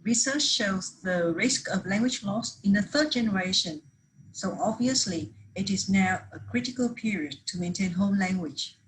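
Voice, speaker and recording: A woman's voice: mid-range voice, animated, normal speed, slight background noise, poor audio. A woman presenting a research paper at a conference, reading steadily from prepared slides with the odd restart.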